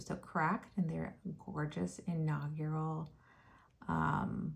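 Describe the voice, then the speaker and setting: A woman speaks quietly. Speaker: nail polish reviewer. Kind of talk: product review.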